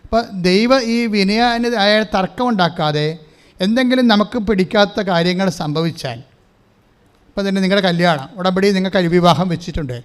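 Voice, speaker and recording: Male preacher, high and smooth, emphatic sermon delivery with call-and-response. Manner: emphatic, has listeners repeat his phrases.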